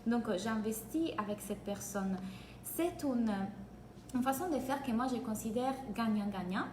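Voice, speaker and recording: A woman from Italy with an Italian accent, giving an energetic live-streamed coaching session in French and greeting viewers by name. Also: on the high side, a little slow, a little hiss or hum. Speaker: business coach. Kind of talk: live-streamed free training. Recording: echoey room, faint ambience.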